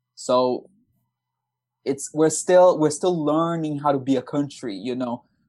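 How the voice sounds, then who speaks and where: A man with a Brazilian accent speaks at a fairly slow pace with long, frequent pauses. His pitch is fairly high with ordinary variation, over a quiet background. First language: Portuguese. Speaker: actor and opera singer. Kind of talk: casual interview.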